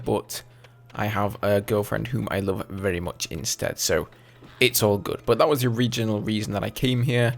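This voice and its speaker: A man in his twenties with an English accent, casually answering viewer questions over gameplay footage in a relaxed, chatty way. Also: fairly low pitch, creaky. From England. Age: 20s. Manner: chatty, relaxed, with fillers and asides. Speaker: gaming YouTuber.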